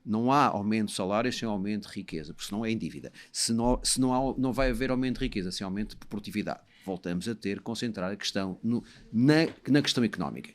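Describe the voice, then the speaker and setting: Male commentator, around late fifties, Lisbon accent, lowish voice, rapid but stumbling, repetitive delivery. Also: lively intonation. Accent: European Portuguese, Lisbon. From Lisbon, Portugal. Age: 50s to early 60s. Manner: halting, repeats words and syllables. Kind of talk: opinionated discussion.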